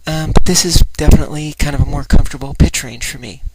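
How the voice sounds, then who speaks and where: Woman, unsure and rambling, lightly breathy, a touch nasal, informal vlog delivery, heavy background noise. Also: low-pitched, steady tone, quick pace. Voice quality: lightened throat resonance, somewhat breathy and nasal. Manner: hesitant, self-doubting. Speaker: voice trainee asking for feedback. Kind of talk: personal vlog, rambling confession. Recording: very noisy home recording, clicks.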